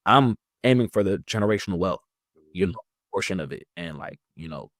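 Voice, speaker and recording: A man's voice: a little fast, dry recording. Chatty young man with a dry sound. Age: 20s. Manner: rambling, heavy use of "like", lively pitch jumps. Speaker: guest. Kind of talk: casual interview chat.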